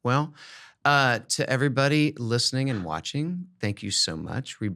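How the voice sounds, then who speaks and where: Male podcast host, medium pitch, conversational and advisory, thinks aloud with repeated words. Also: sing-song, normal speed, sharp tone. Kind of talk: casual conversational advice on an education podcast.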